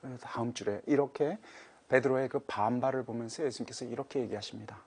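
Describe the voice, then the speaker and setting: A man in his fifties, a Catholic priest, giving a lecture-style sermon and acting out quoted voices, moving from loud urging to hushed, low lines. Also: fast talker, slightly rough. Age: 50s. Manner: animated, voicing Jesus and Peter in quotes, swings between loud and hushed.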